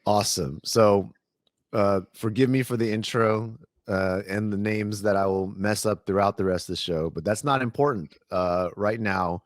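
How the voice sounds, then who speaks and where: A man with a very low voice hosts a podcast, talking in a relaxed, chatty way and often pausing on fillers and restarting his sentences. He sounds close to the mic in a dry, dead room with no echo. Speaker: podcast host. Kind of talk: podcast interview.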